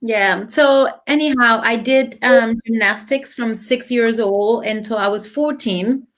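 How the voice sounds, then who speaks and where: A woman's voice: on the high side, unhurried. Chatty woman with an Argentine accent. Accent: Argentine Spanish. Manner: relaxed and chatty, many fillers. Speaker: guest, dancer. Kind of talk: casual interview chat.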